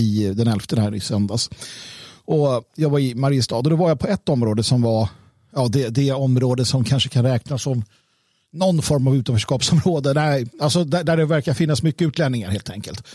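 A man hosting a casual discussion, with a husky, breathy edge to his voice. He speaks haltingly, restarting and repeating words as he works through an anecdote. The sound is dry and close. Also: medium pitch, warm tone, no echo. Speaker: host.

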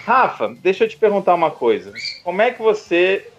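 A man's voice: high voice, big pitch swings, fairly quick, faint music behind. Brazilian male host, slightly dull audio. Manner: teasing, informal. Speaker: podcast host. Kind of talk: casual interview chat.

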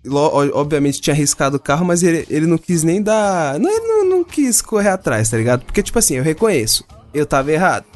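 A man's voice: on the high side, very animated, fast talker, few pauses, faint music behind. A young Brazilian man, telling a story in a casual, swearing chat and acting out the other people in it. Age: young adult. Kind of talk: casual chat, animated anecdote with slang and swearing.

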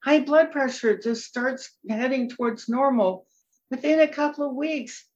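A woman in her seventies, a nutrition expert speaking as a guest in a podcast conversation, talking with animated, emphatic enthusiasm. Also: high-pitched, unhurried, highs cut off, a little hiss or hum. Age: 70s.

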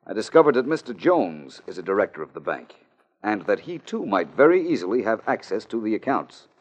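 An actor playing a confident, clever male detective who reasons things through crisply, in 1940s radio acting. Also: on the low side, big pitch swings, fairly quick. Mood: explaining. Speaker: amateur detective. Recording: dull old radio broadcast.

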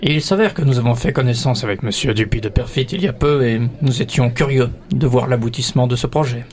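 A man's voice: medium pitch, quick pace, a little mellow. A man playing a tabletop role-playing game in character, composed and formal. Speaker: player.

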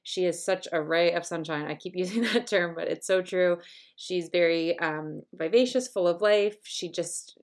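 Woman podcast host, slightly low voice, upbeat and chatty, easygoing filler words. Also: moderate pace. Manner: chatty, upbeat, many ums and soft laughs. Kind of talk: podcast intro and interview.

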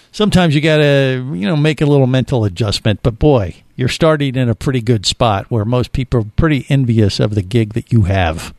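A man's voice: medium pitch, a little mellow, no echo. Middle-aged male co-host, rambling and filler-heavy, dry close sound. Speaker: podcast co-host. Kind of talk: casual chat.

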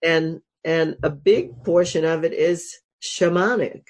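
A woman with a cold and a gravelly voice, a coach talking as an interview guest, enthusiastic, with fillers and restarts. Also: low voice, slow, a little mellow. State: has a cold. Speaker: sex and happiness coach, guest. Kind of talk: casual interview talk.

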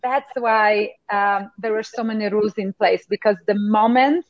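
A woman from Poland with a Polish accent, a coach talking as a podcast guest in a reflective way with many pauses. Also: medium pitch, fairly even intonation, dry recording, highs cut off. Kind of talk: conversational interview.

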